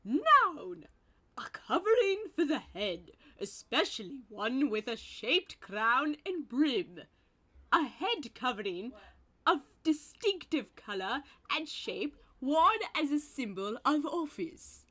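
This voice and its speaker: A woman's voice: sits high, big pitch swings, slow, a bit bright, voice pushed up, exaggerated voice. A woman voicing a pompous female cartoon character, declaiming emphatically as if reciting from a dictionary.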